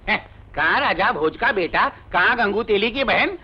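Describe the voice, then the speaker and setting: A man's voice: high voice, animated, breathy edge, highs cut off. An actor playing a scheming, sarcastic village accountant and father in an old film comedy scene. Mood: scornful. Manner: sarcastic, fast-talking, full of quips. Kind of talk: 1980s film comedy acting.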